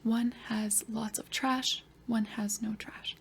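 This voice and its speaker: A woman voicing a young girl student in a whispered role-play, giving soft, short answers to lesson questions. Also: on the high side, little pitch movement, slow, vocal fry, husky, full character voice.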